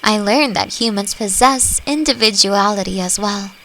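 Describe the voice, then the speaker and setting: A woman playing a friendly, thoughtful forest elf in a roleplay audio drama, talking gently and reflectively to the listener. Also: mid-range voice, moderate pace, lightly acted, poor audio. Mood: earnest. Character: friendly, thoughtful female forest elf, long-lived and curious. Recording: faint noise, nighttime forest insect ambience. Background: crickets and forest ambience.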